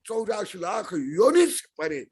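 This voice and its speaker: Older guy preaching a sermon, high husky voice, slow and drawn out, jumps around in pitch, shouts key words. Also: sing-song. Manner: emphatic, repeats phrases, shouts key words, chants verses. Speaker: Jain acharya preaching. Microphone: online webinar stream.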